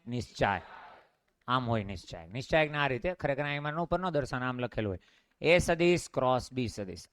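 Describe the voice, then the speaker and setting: A man teaches physics with a Gujarati accent, asking the class each question and then supplying the answer himself. His voice sits a little high and sounds smooth and resonant. The recording is dry and close, with no room echo. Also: fairly bright tone. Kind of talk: classroom lecture with call-and-response questions.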